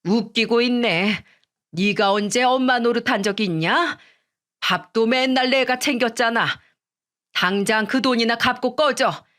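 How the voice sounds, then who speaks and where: A wronged older mother, as a woman reader plays her, talking slowly and bitterly with a scolding edge. The voice sits a little raised and heavy, in a storytelling radio reading. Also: a little high, fairly bright tone, pitched above the performer's own voice. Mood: scornful.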